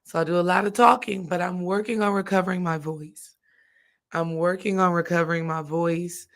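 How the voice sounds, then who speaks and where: A woman, hoarse from coaching, chatting casually on a live stream as a spiritual healing coach. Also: lowish voice, fairly even intonation, normal speed. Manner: chatty, addresses viewers directly.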